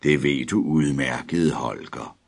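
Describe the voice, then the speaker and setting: A man voicing a sinister inhuman figure in black who speaks calmly and pleasantly, slow and soft with quiet menace. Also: rumbling low, creaky, pitched below the performer's own voice, full character voice.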